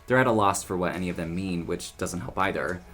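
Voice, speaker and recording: A low voice, a friendly, loyal man in an audio drama. He chats casually and with animation, over faint music. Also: brisk, fairly bright tone. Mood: confiding.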